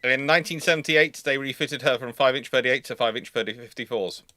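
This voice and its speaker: Guy chatting on a stream, sharp bright voice, very sure of himself, dry close sound. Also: mid-range voice, fairly quick, no echo. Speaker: panelist on a naval history stream. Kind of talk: casual expert discussion.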